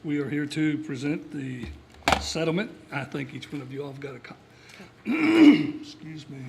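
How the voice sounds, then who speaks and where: A man's voice: on the high side, expressive, normal speed, gravelly, noisy background. A man presenting at a county meeting, brief and businesslike, saying he is losing his voice.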